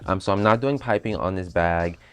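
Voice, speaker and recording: A young man with a very low voice that is temporarily raspy, talking casually to camera as he works. He explains each sewing step in a chatty, relaxed way. Under the rasp his voice carries smooth and resonant. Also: a little fast. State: raspy voice after a night out. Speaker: bag designer.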